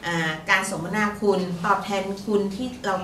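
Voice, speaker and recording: Bright-voiced woman fortune teller. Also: mid-range voice, normal speed. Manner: polite, chatty, frequent particles. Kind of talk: casual lottery-tip talk. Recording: roomy, distant mic, faint noise.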